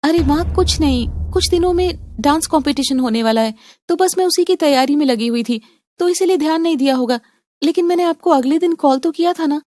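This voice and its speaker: A woman voicing a sweet, pleading young daughter-in-law in an animated story. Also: high voice, brisk, no echo, pitched above the performer's own voice, lightly acted.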